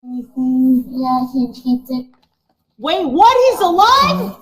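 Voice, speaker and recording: A woman's voice: high voice, sing-song, slow pace, low-quality recording. A woman talking casually as she reacts.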